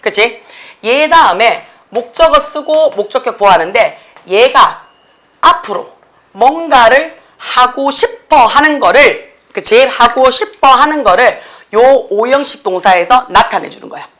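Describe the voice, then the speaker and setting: Teacher with tag questions, slightly high. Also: female voice, unhurried. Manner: lively, tag questions after nearly every sentence, acts out students' replies. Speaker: middle-school English teacher. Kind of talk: classroom lecture. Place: classroom.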